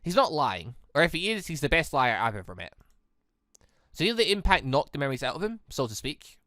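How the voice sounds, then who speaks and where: A stern army general from a visual novel, voiced by a let's-player. He reasons bluntly, a little below an everyday pitch, in a dry close recording. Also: very animated, fairly quick, bright, forceful tone, no echo. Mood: analytical.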